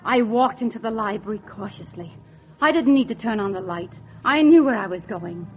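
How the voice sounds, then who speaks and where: An actress playing a scheming, coolly determined secretary turned jewel thief in 1940s radio crime drama style. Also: female voice, mid-range voice, expressive, normal speed, over loud music, lightly acted. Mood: tense, triumphant. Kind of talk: 1940s radio acting, first-person crime narration. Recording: dull vintage 1940s radio recording.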